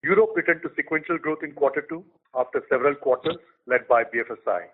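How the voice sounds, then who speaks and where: A man in the role of chief executive, giving a prepared quarterly business update in measured short phrases. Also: fairly high pitch, husky. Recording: tinny phone line.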